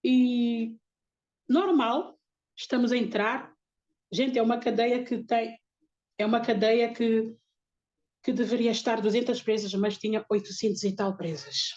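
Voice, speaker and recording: A woman's voice: a little high, fairly even intonation, unhurried, darkish tone, lo-fi sound. Earnest woman giving a church testimony. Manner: earnest, emotional storytelling. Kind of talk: religious testimony.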